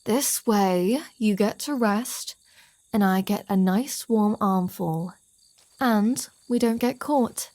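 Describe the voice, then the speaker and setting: Woman playing a slow-talking, flirty female vampire. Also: medium pitch, a little mellow, natural voice. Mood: teasing, urgent. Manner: playful, sardonic, mock-exasperated. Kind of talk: ASMR roleplay audio drama.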